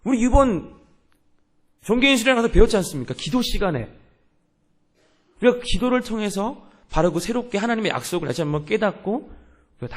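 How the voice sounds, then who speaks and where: A young youth pastor with a slightly high voice preaches a sermon earnestly, putting questions to the congregation.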